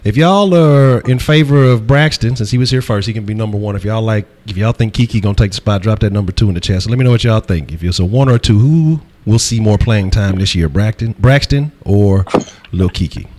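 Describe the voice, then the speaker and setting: Low-voiced man, slangy hype talk. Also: a little fast, darkish tone. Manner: slangy, repeats phrases, hyping. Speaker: sports talk show host. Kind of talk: casual live sports talk.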